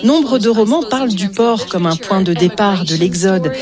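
A woman reading a clear, informative voice-over translation for a festival director. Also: medium pitch, moderate pace, crowd noise.

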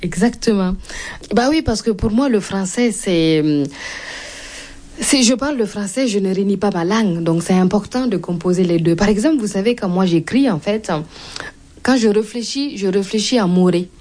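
A woman's voice: mid-range voice, normal speed, warm tone. A woman from Burkina Faso with a Burkinabé accent, a Mooré speaker, guest author and comedian reading and talking in an interview.

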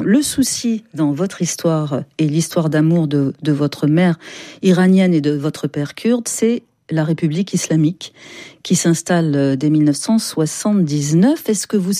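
Low, mellow woman host asking questions. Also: no echo, studio quality. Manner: probing, conversational questions. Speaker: interviewer host. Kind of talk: radio interview.

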